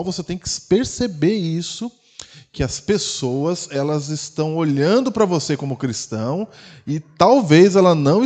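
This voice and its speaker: A man with a Brazilian Portuguese accent, preaching a sermon as pastor in a conversational way, full of rhetorical questions and sharp swings between quiet and loud. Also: fairly high pitch. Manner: loudness rises and falls sharply. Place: church.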